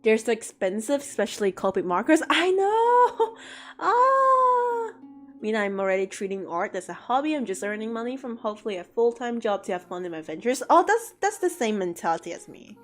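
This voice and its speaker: A woman's voice: fairly high pitch, wildly swooping pitch, moderate pace, soft background music. A woman chatting casually with her livestream audience, talkative and given to mock-dramatic outbursts. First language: English. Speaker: art streamer answering chat.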